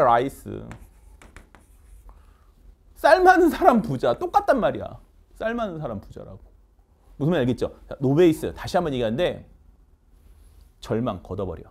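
Male lecturer, middle-aged, high-pitched and animated, quizzes the class nonstop. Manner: energetic, coaxing, quizzes students with quick questions. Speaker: English vocabulary teacher. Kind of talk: online lecture.

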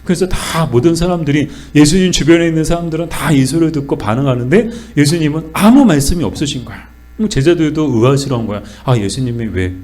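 A man's voice: fairly high pitch, expressive, fast talker, darkish tone. A middle-aged man teaching a church Bible study, explaining with questions and answers and acting out the lines he quotes.

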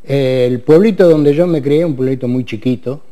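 An older Argentine man in his eighties speaks as a studio guest. His voice is dark and mellow at a middle pitch. He talks haltingly, with frequent fillers and restarts, on a lapel mic. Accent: Argentine Spanish. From Córdoba, Argentina. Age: 80s. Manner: hesitant, many fillers and restarts. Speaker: interview guest, retired military man. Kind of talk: casual interview.

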